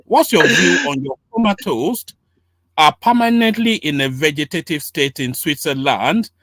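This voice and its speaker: A man's voice: fairly high pitch, animated, moderate pace, fairly bright tone. A man hosting a heated panel debate, pressing his guest with repeated questions and talking over him. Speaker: host.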